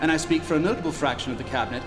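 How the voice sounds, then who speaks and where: Man as quick-talking, disapproving defence secretary. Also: fairly high pitch, natural voice. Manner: formal, pointed. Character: disapproving male defence secretary, smoothly rebellious. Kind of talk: sci-fi audio drama parliamentary speech. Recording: echoey hall, music behind.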